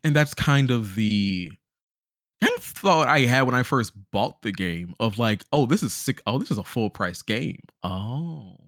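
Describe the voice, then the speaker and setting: A man co-hosting a podcast, giving a casual game review in an animated storytelling way, acting out reactions. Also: mid-range voice, measured pace, no echo, clean studio sound. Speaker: podcast host.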